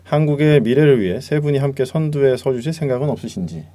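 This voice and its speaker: A man's voice: medium pitch, animated, fast talker, warm tone. A polite man moderating a live talk show and reading out viewer questions. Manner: polite, frequent short acknowledgements.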